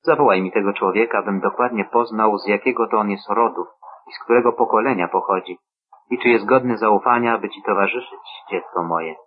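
Man reading as devout blind old father, solemn measured reading, low husky voice, tinny phone-like sound. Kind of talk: scripture reading.

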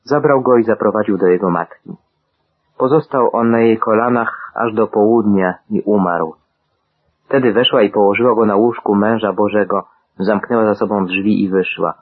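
A man reading scripture aloud in a husky voice, with a measured, solemn manner, over a tinny radio-like sound. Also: lowish voice. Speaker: Bible reader.

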